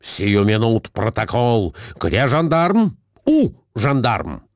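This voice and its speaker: A man's voice: mid-range voice, very animated, slow pace, dry recording, studio quality. A man voicing a flustered middle-aged husband who swings from meek muttering to indignant bluster.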